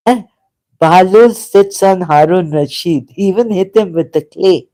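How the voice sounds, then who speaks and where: Solo vlog host, non-native English, unhurried and soft-edged, halting, prone to giggles and tangents. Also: medium pitch. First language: not English. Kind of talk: rambling casual monologue with read-out anecdotes.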